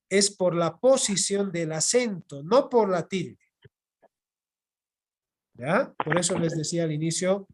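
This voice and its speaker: Slow high-voiced Bolivian male teacher. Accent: Bolivian Spanish. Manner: slow, repetitive explaining with checking "¿ya?". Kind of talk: online class lecture. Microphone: computer mic on video call.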